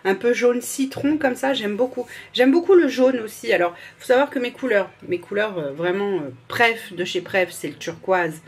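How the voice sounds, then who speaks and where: A woman's voice: medium pitch, lively intonation, normal speed, few pauses, husky. A woman vlogger in casual, gushing chat, fumbling and apologizing as she reads out names. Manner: fumbles and restarts while reading labels.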